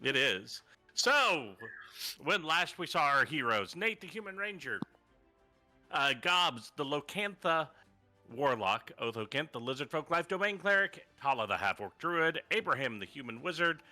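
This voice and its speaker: A man's voice: a little high, sing-song, moderate pace, bright, forceful tone. A man running a tabletop game as dungeon master, recapping the last session in a loose, rambling way, full of fillers and self-corrections. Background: faint fantasy background music.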